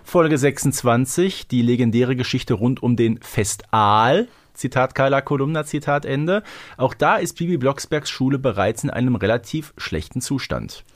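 A man's voice: mid-range voice, animated, moderate pace. A man hosting a podcast, discussing things with a fan's enthusiasm in an effusive, emphatic way. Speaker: podcast host.

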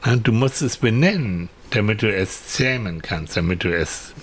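A man co-hosting a podcast, talking in a thoughtful, halting way and repeating words as he searches for them. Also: fairly low pitch, expressive, husky. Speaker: podcast co-host. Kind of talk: casual conversational chat.

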